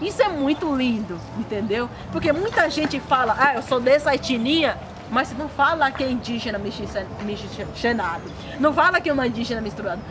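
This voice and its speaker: A woman with a high pitch speaks in an animated tone with lively intonation at a moderate pace. Noticeable background noise runs behind her. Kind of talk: casual interview. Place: garden.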